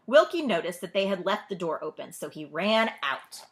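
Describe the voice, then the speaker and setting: A woman narrating a children's story as a librarian, expressively, pausing to put questions to young listeners. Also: lowish voice, big pitch swings, a bit bright. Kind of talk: children's read-aloud narration.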